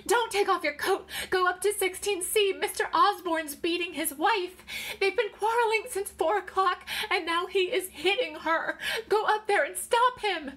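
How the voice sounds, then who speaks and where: A woman voicing an anxious, distraught wife in a story, shrill and wailing as she pleads. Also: big pitch swings, fairly quick, vocal fry, few pauses, a bit bright, slightly rough, full character voice. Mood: frantic, screaming.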